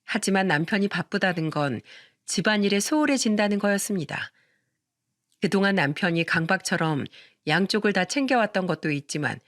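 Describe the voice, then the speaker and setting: A woman's voice: mid-range voice, dry recording, studio quality. A woman narrating a first-person radio story in a conversational tone, often turning to her listeners with questions.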